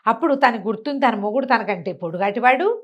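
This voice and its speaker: A woman telling a village tale in a conversational way, animated and chatty with explaining asides. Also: a little high, fast talker. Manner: animated retelling, acting out characters' remarks, explaining asides to a co-host. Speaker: storyteller. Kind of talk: conversational oral storytelling of a village folk tale.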